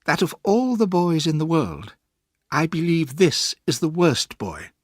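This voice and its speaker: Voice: medium pitch, sing-song, unhurried, no echo, studio quality, pitched above the performer's own voice. A narrator voicing a spiteful spinster who speaks with smug, false sweetness. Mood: falsely sweet.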